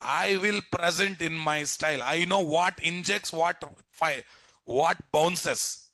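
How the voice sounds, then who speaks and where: Speaking slowly in a slightly high, bright voice with a forceful edge, this man teaches a live programming class to students. He's a programming instructor with a Telugu Indian English accent, blunt and scolding, given to repetition and rhetorical questions. The audio is dry.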